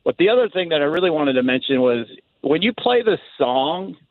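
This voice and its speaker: A man's voice: a little high, very animated, a little fast, no echo. A man calling in to a radio show from Dallas, casual and rambling with many fillers. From Dallas, Texas. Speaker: caller. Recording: phone line.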